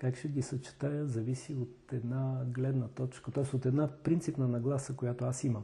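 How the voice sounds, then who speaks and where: The voice is somewhat breathy with a dark, mellow tone, delivered in a monotone, flat intonation at a moderate pace with hardly any pauses. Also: man, medium pitch for a man. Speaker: professor of literature and cultural history. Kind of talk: interview. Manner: halting.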